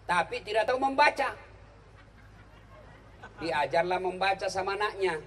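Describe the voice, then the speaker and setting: A man's voice: sits high, expressive, normal speed, fairly bright tone. A man giving a humorous motivational talk to students, teasing the crowd and repeating key lines. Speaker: motivational speaker. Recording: distant mic with faint background noise.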